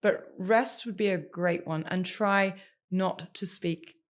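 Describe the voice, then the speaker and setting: A woman's voice: fairly low pitch, slow. Emphatic woman singer giving voice advice. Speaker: singer and former TV presenter, guest. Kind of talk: podcast interview.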